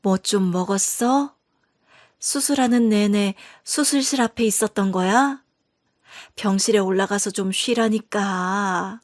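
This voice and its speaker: A woman voicing a tired, gentle older mother who speaks softly and slowly with care. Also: mid-range voice, no room sound, studio quality, natural voice. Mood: tender. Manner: soft, slow, caring.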